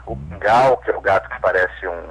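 A man's voice: low voice, fairly quick, fairly bright tone, slightly rough, poor audio. A man with a Brazilian Portuguese accent, an event organizer speaking as a radio guest, hesitant with many restarts. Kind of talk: phone-in radio interview.

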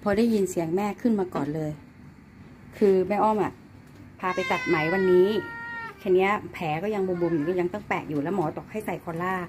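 A woman's voice: fairly low pitch, fairly quick, noisy background. Chatty woman cooing to her pets. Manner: chatty, coos and baby-talks to her pets. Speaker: pet-owner vlogger. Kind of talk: casual chat filming her pets. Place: at home with her animals.

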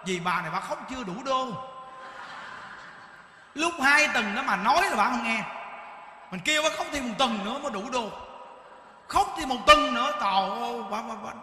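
A man's voice: very high-pitched, moderate pace, pauses often, reverberant, big-room sound. A man giving a Buddhist dharma talk, telling stories animatedly and asking rhetorical questions. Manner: animated storytelling, acts out dialogue, rhetorical questions. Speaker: Buddhist monk teacher.

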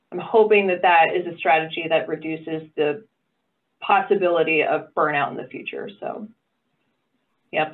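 A woman running an online stakeholder meeting, upbeat and encouraging with playful asides. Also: fairly low pitch. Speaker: meeting facilitator. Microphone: video call. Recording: phone-like video call audio.

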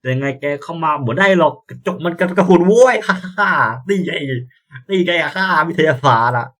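Excitable young man streaming a game. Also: fairly high pitch, normal speed. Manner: excitable, yelps and swears at scares; reads game lines aloud, stammering. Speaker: gameplay streamer. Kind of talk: casual let's-play commentary.

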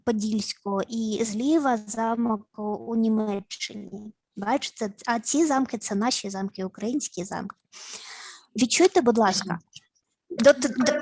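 A woman psychologist leading grounding exercises in an online session, speaking in a slow, instructive way with repeated words and playful sounds. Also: high-pitched, a little hiss or hum. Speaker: family and child psychologist. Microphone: video call.

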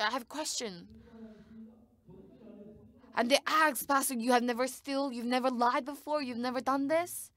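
Woman with a raised pitch relaying a sermon live in short, broken phrases. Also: a bit bright, dry recording. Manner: short bursts with frequent restarts. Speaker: interpreter.

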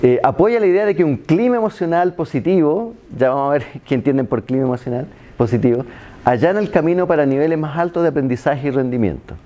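Quick and expressive, a middle-aged Chilean lecturer with a slightly high, dark-toned voice talks conversationally to students seated in a projector-equipped seminar room. He asks "¿ya?" after almost every point and throws in self-deprecating remarks. The handheld-mic audio, filmed from a distant camera, comes through muffled.

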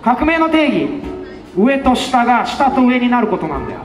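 A man giving an impassioned street campaign speech outside a station, rhetorical and fiery, often breaking into shouts. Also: very high-pitched, sing-song, moderate pace. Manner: fiery, rhetorical, with repeated questions and bursts of shouting. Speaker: election campaign speaker. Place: outdoors in front of a busy station. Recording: echoey outdoor PA sound with faint music.

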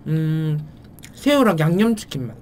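Man, eating-show co-host, slightly high and mellow, talking while chewing, short mumbled reactions. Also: sing-song, unhurried, slight background noise. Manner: short murmured reactions between bites. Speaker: mukbang livestream co-host. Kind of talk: casual eating-show chat.

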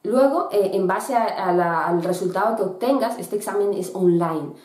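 A woman in her thirties talks to camera in a bright room by a window, pausing often with fillers and restarting her sentences. Her voice is soft and mellow, and the room gives it a noticeable echo. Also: mid-range voice. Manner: hesitant, many fillers and restarts. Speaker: student vlogger. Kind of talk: casual explanatory vlog.

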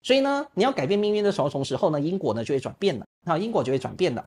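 Brisk, jokey man giving a Buddhist talk. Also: on the high side. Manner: lively, humorous, acts out examples; frequent filler particles like "呢" and "啊". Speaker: Buddhist monk teaching. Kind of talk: Dharma talk answering questions. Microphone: online video call.

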